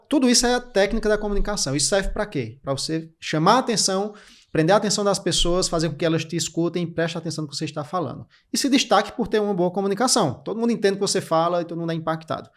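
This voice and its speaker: Fast-talking Brazilian man, energetic. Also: on the high side. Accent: Brazilian Portuguese. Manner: energetic, lists points in quick clipped phrases. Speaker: podcast guest. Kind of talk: didactic interview talk.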